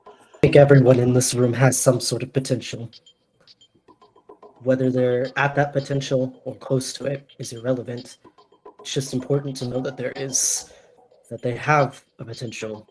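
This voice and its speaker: A man's voice: medium pitch, flat delivery, normal speed, a little mellow, poor audio. A man playing a tabletop game, talking in character in an earnest, reassuring way. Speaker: player. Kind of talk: in-character tabletop role-play.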